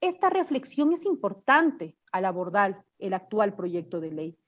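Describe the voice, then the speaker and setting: A woman legislator gives a formal, measured speech to the chamber, arguing her case from prepared remarks. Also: medium pitch, big pitch swings.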